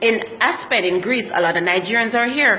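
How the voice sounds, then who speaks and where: A woman with a Jamaican accent speaks at a moderate pace and fairly high pitch, with audible room echo and noticeable background noise. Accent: Jamaican, with patois. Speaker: travel vlogger. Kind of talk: casual vlog monologue. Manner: animated.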